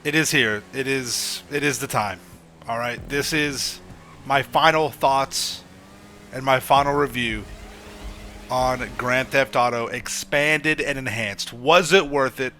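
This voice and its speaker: Guy w a stuffy head cold, mid pitch, blunt straight talk, keeps saying okay? to viewers. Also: slow, bright, forceful tone, a little hiss or hum. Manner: blunt, repeats "okay?" and "right?" to the audience. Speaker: gaming YouTuber. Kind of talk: casual opinion monologue to camera.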